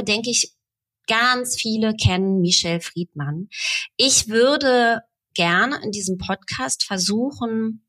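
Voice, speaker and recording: A woman's voice: mid-range voice, a bit bright. A woman hosting a podcast, reading a prepared introduction and then asking interview questions. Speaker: podcast host.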